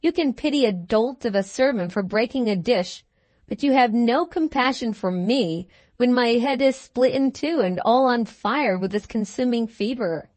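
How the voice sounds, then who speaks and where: A woman's voice: on the high side, moderate pace, a little mellow, no echo, lightly acted. A woman voicing a peevish, self-pitying young husband who speaks in a sulky, sarcastic way in an audiobook.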